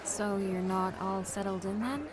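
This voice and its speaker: An actress playing an outgoing vlogger and doting, nagging friend, a young adult with an expressive, teasing manner in a naturalistic audio drama. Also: female voice, mid-range voice, measured pace, music in the background, lightly acted. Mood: warm, concerned.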